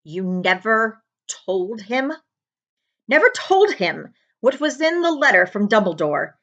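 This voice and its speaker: A woman voicing a huge, gruff, hot-tempered wizard man from a storybook, blunt and emphatic, with drawn-out words. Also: on the high side, big pitch swings, fairly bright tone, highs cut off, full character voice. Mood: furious.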